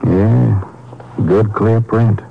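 An actor playing an easygoing, observant Texas Ranger partner with plainspoken folksy talk in a 1950s radio drama. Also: male voice, on the low side, steady tone, very slow, vocal fry, slightly rough, full character voice. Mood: observant, speculative. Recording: muffled, noisy old radio broadcast.

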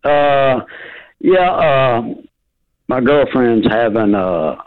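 A middle-aged man calling in from an old flip phone, his voice thin and tinny down the phone line. He talks in a folksy, halting way, hesitating often. His pitch swings up and down a lot as he speaks. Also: animated, clean tone. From Bowling Green, Kentucky. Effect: old flip phone call line. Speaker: caller. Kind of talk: casual call-in chat.

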